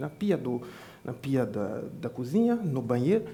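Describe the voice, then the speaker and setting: A man with a French accent and very wide pitch swings. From Haiti. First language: French (speaking Portuguese). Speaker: pastor. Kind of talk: sermon. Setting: church.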